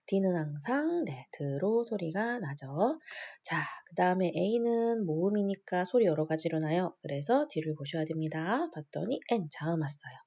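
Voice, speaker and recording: Woman, phonics teacher, low gravelly voice with a husky edge, patient and repetitive, slightly dull lo-fi sound. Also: dark tone. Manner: patient, repeats each rule and asks the viewer small questions. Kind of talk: spelling out words step by step for adult learners.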